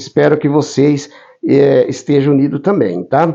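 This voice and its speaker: Vocal fry runs through a man's fairly high voice. He speaks at a fairly slow pace. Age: 60s. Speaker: preacher. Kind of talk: sermon. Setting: recorded video for online viewers. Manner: informal, conversational.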